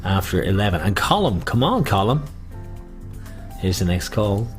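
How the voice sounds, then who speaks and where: A man hosting an online game as a bingo caller, with chatty, jokey patter and drawn-out number calls using traditional nicknames. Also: on the low side, big pitch swings, soft background music.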